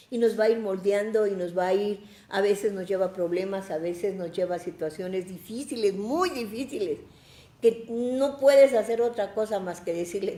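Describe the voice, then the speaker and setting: A woman's voice: mid-range voice, warm tone, roomy sound. A woman with a Mexican accent leading a church Bible study and giving an emotional personal testimony, fervent and exclamatory. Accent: Mexican Spanish. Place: church hall.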